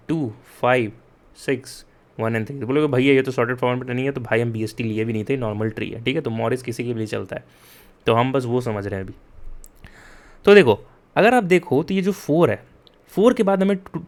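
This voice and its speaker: A young man explains coding in an easy, chatty way. He keeps turning to his students to check they are following, and he goes slowly so they can take notes. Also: medium pitch, darkish tone. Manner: mixes Hindi and English, chatty with frequent "yaar" and "theek hai?"; addresses students directly and urges them to take notes. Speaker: coding tutor. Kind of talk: casual explained lesson.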